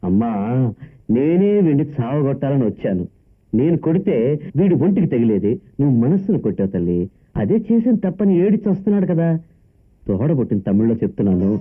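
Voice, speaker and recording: An earnest, devoted young son with a lively, quick delivery. The sound is tinny and lo-fi, with music in the background. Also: male voice, medium pitch, slightly rough. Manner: earnest, emotional, tearful at times.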